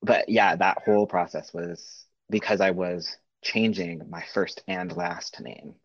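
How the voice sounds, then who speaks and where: A man's voice: low-pitched, steady tone, a little slow, no room sound. A man co-hosting a podcast in casual chat, talking freely and laughing often, heard on slightly dull lo-fi audio. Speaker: podcast co-host.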